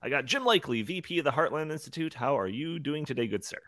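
Animated male podcast host, dry close sound. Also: fairly high pitch, fast talker, no echo. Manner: informal, joking. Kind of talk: casual live podcast hosting.

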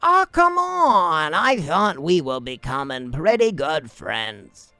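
A man's voice: fairly high pitch, sing-song, slow pace, bright, forceful tone, smooth, faint music behind. A man acting in a comedic audio drama, bickering in an exasperated way. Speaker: amateur audio drama actor.

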